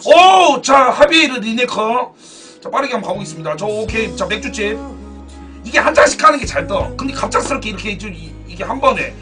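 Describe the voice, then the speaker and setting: Brief: high, swooping male streamer, loud and excitable, mic set back with game music playing. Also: fast talker, recorded from a distance. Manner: excitable, loud outbursts, frequent swearing. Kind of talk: casual live-stream commentary.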